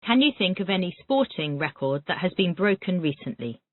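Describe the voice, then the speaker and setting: In a very animated mid-range voice, a teacher leads a Callan method English drill: vocabulary words read out, followed by short, repetitive questions. The recording sounds dry and tinny, like a phone.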